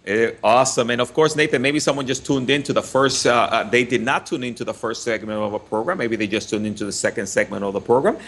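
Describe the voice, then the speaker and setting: A man's voice: medium pitch, fast, hardly any pauses, a bit bright. A man from the Dominican Republic hosting a Christian radio talk show, upbeat and chatty with frequent fillers.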